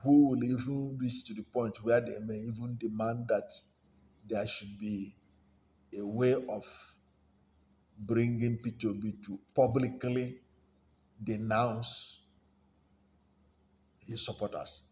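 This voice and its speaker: A man with a Nigerian accent giving unscripted political commentary in a halting, deliberate manner, often rephrasing himself. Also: mid-range voice. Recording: steady background noise, room ambience.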